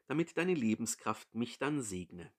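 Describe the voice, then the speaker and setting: A man's voice: mid-range voice, very animated, unhurried. A man voicing a bitter grown son, a hunter, who pleads earnestly with his father. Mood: pleading.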